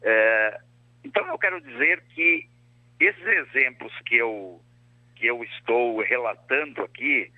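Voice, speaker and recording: Homem numa linha de telefone falhando. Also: male voice, mid-range voice, no echo. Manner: formal and measured, with frequent hesitations. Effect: crackly phone line that keeps cutting out. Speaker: former mayor, interview guest. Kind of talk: phone interview on a radio show. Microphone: telephone. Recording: dull, dry phone line.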